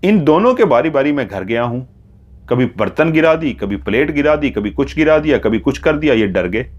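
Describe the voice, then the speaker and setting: Sly jinn spirit, male, high and pushy, boastful, begs when cornered; a man voices him. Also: animated, moderate pace, highs cut off, lightly acted. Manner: boastful, pleading when beaten.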